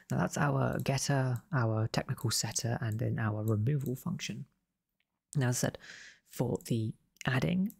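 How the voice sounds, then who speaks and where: A man losing his voice, walking through a coding tutorial in a relaxed way and often correcting himself as he goes. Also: medium pitch, gravelly, slightly rough. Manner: relaxed, self-correcting explanations. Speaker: game development tutor. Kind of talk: screen-recorded coding tutorial.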